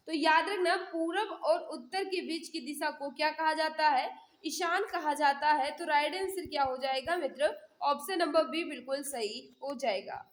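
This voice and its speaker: A woman's voice: high-pitched, reverberant. A woman teaching a live exam prep class, reading questions and answers aloud in an instructional way, repeating them and prompting listeners.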